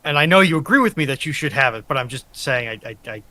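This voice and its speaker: A man's voice: medium pitch, lively intonation, fast talker, pushed and bright, dry recording. A man speaking as a panelist in casual, bantering conversation.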